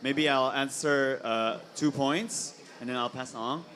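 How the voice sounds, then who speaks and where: A man on a panel answering audience questions in a measured, deliberate way. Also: mid-range voice, a bit bright.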